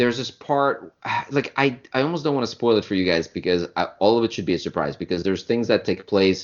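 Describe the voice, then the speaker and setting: Speaking at a very fast pace, a man with a non-native accent uses lively intonation. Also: medium pitch for a man. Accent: foreign. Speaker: podcast co-host. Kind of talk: casual chat. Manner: animated, halting.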